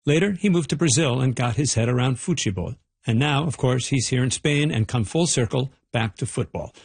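A man's voice: mid-range voice, expressive, brisk, creaky, breathy edge, dry recording. A man reporting a radio feature in a wry, playful narration.

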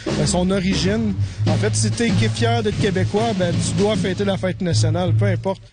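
A man's voice: sits high, steady tone, brisk. Man with a Quebec French accent, outdoors. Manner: earnest, explaining. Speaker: festival committee president. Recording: outdoor clip with loud music.

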